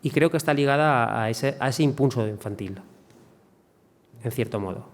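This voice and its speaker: A man's voice: medium pitch, normal speed. A man speaking as a writer on a panel, in conversational style, often hesitating and restarting his words. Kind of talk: conversation at a cultural talk.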